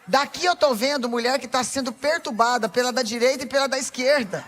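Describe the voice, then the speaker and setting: Briskly and in a high register, a Brazilian Portuguese–accented woman delivers a spirited sermon to women. Her tone teases and plays as she addresses the audience head-on.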